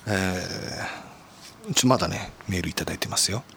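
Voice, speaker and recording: A man's voice: low-pitched, moderate pace, gravelly, fairly bright tone, slight background noise. A man hosting a podcast in casual chat, joking and mocking himself. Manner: joking, self-mocking, laughs often. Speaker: podcast host.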